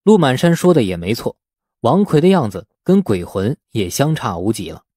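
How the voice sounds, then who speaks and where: A man narrating a novel as an audiobook, telling the story in an expressive, dramatic scripted style. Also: medium pitch, moderate pace, no room sound, studio quality.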